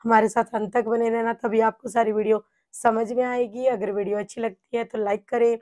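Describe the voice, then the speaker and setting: A woman's voice: fairly high pitch, little pitch movement, brisk, dark tone. A woman in her thirties, co-host, greeting viewers and introducing a devotional video at home. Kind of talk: channel introduction. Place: home room with a shrine, indoors.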